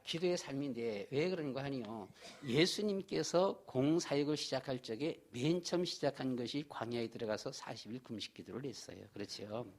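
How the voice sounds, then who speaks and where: A middle-aged man, a pastor, preaching a Sunday sermon in a church in a folksy, repetitive way. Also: medium pitch. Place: church sanctuary.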